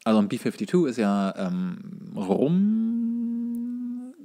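A man's voice: high voice, fairly even intonation, slow pace, vocal fry, dark tone. A young man co-hosting a podcast, recounting bar anecdotes casually and colloquially, often repeating words as he goes. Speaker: podcast co-host.

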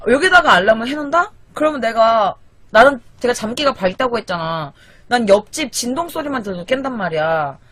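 A woman's voice: on the high side, brisk, dry recording. Young korean girl streaming at night from her apartment, fed up and cussing, voice going up and down a lot. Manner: animated, exasperated, swears casually. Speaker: live streamer. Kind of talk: casual late-night venting chat. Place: small apartment at night, sister asleep in the loft. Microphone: desk microphone.

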